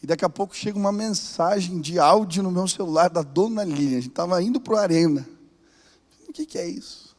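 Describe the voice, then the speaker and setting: Male pastor, high voice, animated storytelling sermon turning fervent, long hall reverb. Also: quick pace, few pauses. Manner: animated, rising to fervent exhortation.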